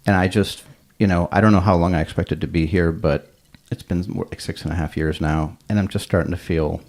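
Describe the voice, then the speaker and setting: A man hosting a podcast, easygoing and wry, often answering with quick "right"s. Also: low voice, steady tone, darkish tone. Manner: easygoing, many "right" backchannels, wry joking. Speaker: podcast host. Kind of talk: casual interview chat. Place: Columbus, Ohio.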